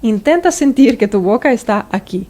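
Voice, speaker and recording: A woman's voice: a little high, expressive, moderate pace, darkish tone. A woman singing teacher explaining vocal technique step by step and checking in with the listener.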